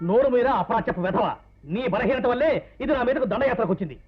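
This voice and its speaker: An actor playing a domineering, greedy old grandfather in a film drama, scolding loudly. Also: very high-pitched, quick pace. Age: older. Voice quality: scolding, blustering. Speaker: stubborn grandfather. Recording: dull old film soundtrack with music.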